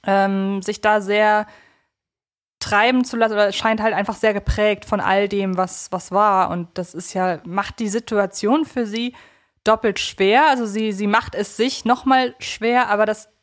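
Female podcast co-host, mid-range voice, thoughtful conversational analysis, pausing to find the right wording. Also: mid-range voice, fairly even intonation. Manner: reflective, searching for words.

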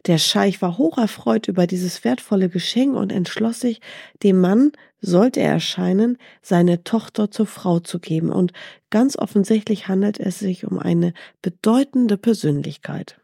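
A woman calmly reading a teaching fairy tale aloud in a measured way. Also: medium pitch, gravelly, slightly rough, no echo, studio quality. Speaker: storyteller. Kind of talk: storybook reading.

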